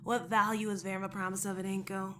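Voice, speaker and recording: A woman's voice: medium pitch, little pitch movement, fast talker, sharp tone, a little hiss or hum, close to an everyday voice. A woman voicing a cold, impatient, commanding schemer in an audio drama, terse and stern.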